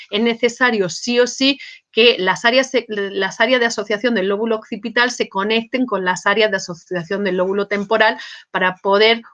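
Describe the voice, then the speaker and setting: A woman's voice: medium pitch, fairly bright tone. Woman lecturer, keeps tossing in "eh?" to her class, kinda muffled recording. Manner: frequent checking tags "¿eh?" and "¿sí?", many restarts. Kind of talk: university lecture. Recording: slightly muffled lecture audio.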